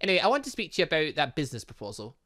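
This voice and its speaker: A man reading a playful, scheming middle-aged mother from a game, in a slightly lower, smooth tone. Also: big pitch swings, racing, a bit bright. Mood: coy scheming.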